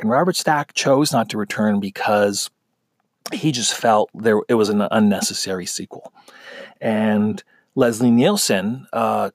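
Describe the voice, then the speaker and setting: A man's voice: lowish voice, no room sound, studio quality. A man giving a casual spoken film review, chatty and conversational, with frequent fillers and restarts.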